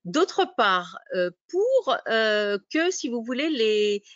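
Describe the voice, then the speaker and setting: A woman moderates an online webinar and walks the audience through instructions. She halts often and fills the pauses. The audio is dry and dull, with no room sound, as from a computer microphone. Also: on the high side, sing-song, fairly bright tone, dry recording. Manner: halting, many fillers. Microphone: computer mic on a video call.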